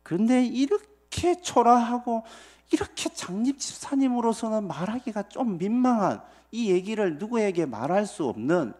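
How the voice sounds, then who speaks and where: A man's voice: high-pitched, darkish tone. A male pastor giving a sermon in church, telling a story with many rhetorical questions to the congregation. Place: church sanctuary.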